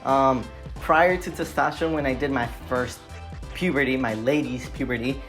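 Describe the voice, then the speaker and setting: A man's voice: medium pitch, normal speed, over music. A young trans man talking casually and reflectively in a vlog update, with many "like" and "um" fillers. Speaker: vlogger.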